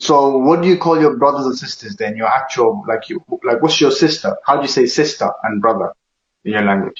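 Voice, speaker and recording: Speaking at a fairly quick pace, a man uses a fairly high pitch with very wide swings. He has a Somali accent. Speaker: online video host comparing languages. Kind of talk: casual chat. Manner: animated.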